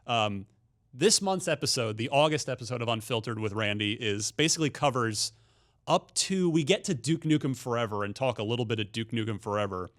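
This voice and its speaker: A man's voice: medium pitch, lively intonation, a little fast, a bit bright. A man hosting a podcast in casual, conversational talk, plugging things to check out. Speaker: podcast host.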